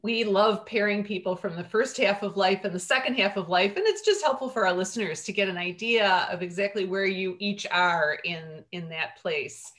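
A woman co-hosting an interview, asking questions in a measured, thoughtful way. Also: medium pitch, fairly bright tone. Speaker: co-host. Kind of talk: conducting an interview.

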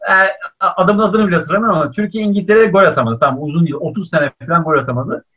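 Man, casual group chat host, slightly high voice, laughs while telling stories, dull lo-fi recording. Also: very fast, slightly rough.

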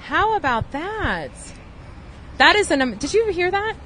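A woman's voice: very high-pitched, sing-song, unhurried, fairly bright tone, a little hiss or hum. A middle-aged woman co-hosting a podcast, reacting enthusiastically in a casual chat. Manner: enthusiastic, exclaiming. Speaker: podcast co-host.

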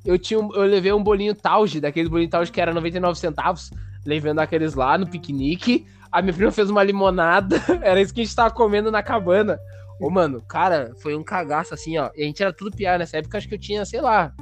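A man, hosting a podcast and telling a story in a lively, slangy way. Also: high-pitched, quick pace, soft background music. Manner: animated, slangy, acts out sounds and voices. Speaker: podcast host. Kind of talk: casual storytelling.

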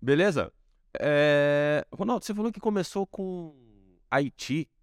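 A man's voice: fairly high pitch, animated, a little slow, clean tone, no room sound, studio quality. A man hosting a podcast, upbeat and informal as he thanks listeners and asks the guest questions. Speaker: podcast host.

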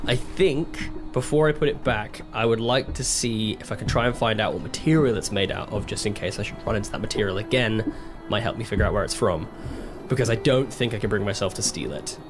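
A man's voice: on the low side, brisk. A man playing a tabletop roleplaying game, thoughtfully talking through what his character knows and does. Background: music.

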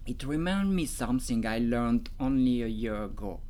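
A jewelry artist with a Swiss French accent, speaking English as a second language in a casual talk, often pausing and restarting to find the words. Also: mid-range voice, lively intonation, mellow. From Switzerland. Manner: hesitant, searching for English words with many fillers and restarts. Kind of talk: casual talk sharing creative tips.

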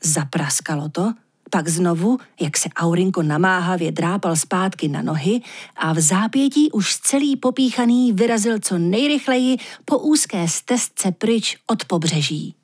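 A woman narrating a fairy tale in a calm, measured audiobook reading. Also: lowish voice, breathy edge. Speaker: storyteller.

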